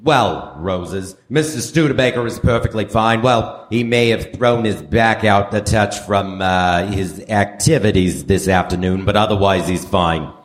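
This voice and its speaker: A man's voice: lowish voice, unhurried, few pauses, pitched below the performer's own voice, lightly acted. Man playing a knowing, smug radio-play policeman. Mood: smug, official. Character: smug, insinuating male police officer, deadpan and official. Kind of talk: live comic radio play acting. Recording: noisy live theater stage recording.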